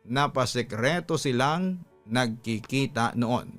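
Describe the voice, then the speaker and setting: A man's voice: medium pitch, animated, slow, fairly bright tone. A man with a Filipino accent narrating a scripted story in a dramatic radio storytelling style. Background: background music.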